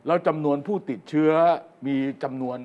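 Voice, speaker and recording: A man's voice: on the high side, brisk, darkish tone, highs cut off. A man on a political talk show, giving frank opinions and filling in with short replies. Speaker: news commentator.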